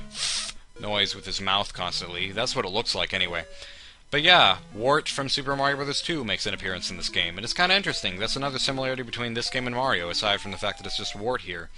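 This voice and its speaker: A man's voice: medium pitch, bright, forceful tone. A man giving humorous commentary on a video game in a wry, sarcastic manner with exaggerated reactions. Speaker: let's play host.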